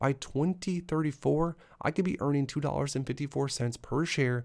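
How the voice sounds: On a very clean recording with a silent background, a man talks at a moderate pace and medium pitch, showing vocal fry, a slightly mellow tone and ordinary pitch variation.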